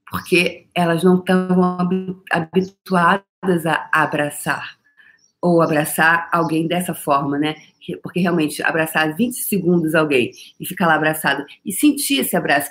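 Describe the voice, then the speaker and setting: Hosting a laid-back spiritual coaching live stream, a woman from Brazil speaks at a normal speed with a fairly low, animated and playful voice. Frequent laughter punctuates her talk, which shifts between chatty, loose passages and chant-like repetitions.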